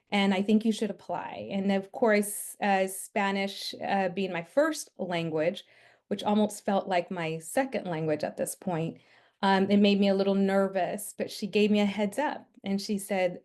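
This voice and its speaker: A woman's voice: mid-range voice, a little mellow. A woman presenting a webinar, telling personal stories in a reflective way. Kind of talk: storytelling webinar talk.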